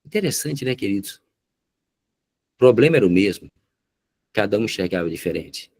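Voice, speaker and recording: Brief: a low-pitched man preaching through a story, dramatic and deliberate. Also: animated, darkish tone. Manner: dramatic, slows down for emphasis. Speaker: pastor. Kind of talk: sermon storytelling.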